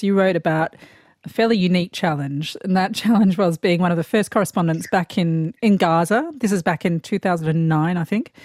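A woman interviewer asking long, measured questions. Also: on the low side, darkish tone, no room sound, studio quality.

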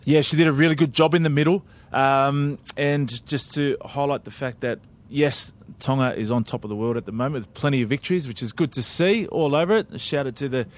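A man co-hosting a casual sports chat, relaxed and full of fillers. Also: mid-range voice. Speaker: co-host.

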